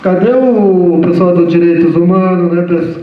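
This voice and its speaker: Halting man in an echoey lecture hall. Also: high-pitched. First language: indigenous language. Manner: halting, repeats "né?" constantly. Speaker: indigenous guest speaker. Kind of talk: informal lecture talk. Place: lecture room. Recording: echoey hall from far off, dull sound.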